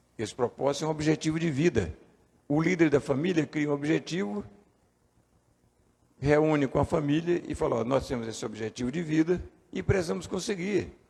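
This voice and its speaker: This man speaks with a fairly high pitch, vocal fry and lively intonation, moving at a fairly quick pace but with long, frequent pauses. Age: 70s. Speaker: deacon preacher. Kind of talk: sermon.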